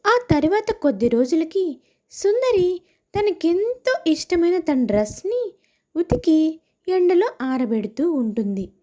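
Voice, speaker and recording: A woman's voice: very high voice, big pitch swings, slow, dark tone. A woman narrating a cartoon moral story in a plain, scripted storytelling manner. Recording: dull lo-fi.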